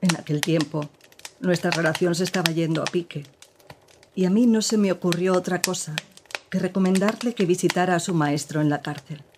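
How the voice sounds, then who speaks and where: An actress playing a woman who gravely recounts her partner's past in an audio drama, with measured, serious storytelling. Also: lowish voice, noisy background, lightly acted.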